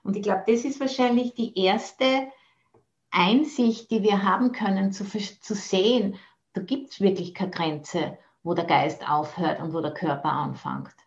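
A woman's voice: mid-range voice, measured pace, vocal fry. An Austrian woman meditation teacher giving a dharma talk in a reflective way, often searching for her words. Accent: Austrian German. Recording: dull lo-fi sound.

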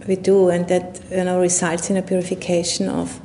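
A woman leading a guided meditation as a Buddhist teacher, speaking in unhurried, halting phrases with long pauses. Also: completely flat delivery, warm tone. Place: retreat session at a monastery or retreat center. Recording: low rumbling background noise.

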